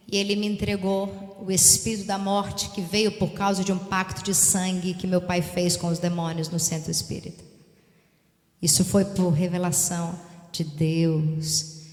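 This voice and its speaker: A woman's voice: lowish voice, darkish tone. A woman pastor giving an earnest, confiding personal testimony within a sermon. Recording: echoey hall reverb.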